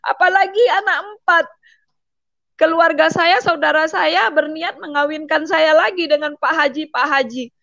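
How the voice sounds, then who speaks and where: High-voiced woman telling her testimony. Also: gravelly, a bit bright, no echo, lo-fi sound. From Indonesia. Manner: emotional, repetitive, halting with fillers. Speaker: testimony speaker. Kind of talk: personal testimony.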